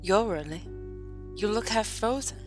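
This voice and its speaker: A woman playing a composed, gently teasing young noblewoman in a fan audio drama, with formal and dryly playful wording. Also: medium pitch, expressive, a little slow, natural voice. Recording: music playing behind. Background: music.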